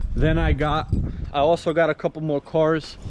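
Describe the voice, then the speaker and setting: There is noticeable background noise behind this man. His pitch is fairly high and his pace moderate. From Brazil, moved to New York at nine. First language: Portuguese. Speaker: car YouTuber. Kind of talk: casual vlog tour. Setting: garage.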